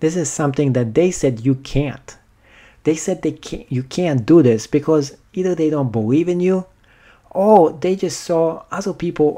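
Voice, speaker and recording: With a non-native accent, a man speaks at a moderate pace against a quiet background. His fairly high voice has a dark, mellow tone and ordinary pitch variation. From immigrant, not from an English-speaking country. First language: not English. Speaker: podcaster, teacher. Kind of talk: motivational talk.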